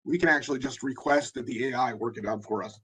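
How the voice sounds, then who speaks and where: A man with a hoarse, husky voice presenting a live software demo in a webinar, talking in a halting way with many fillers and restarts. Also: mid-range voice. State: hoarse, losing his voice.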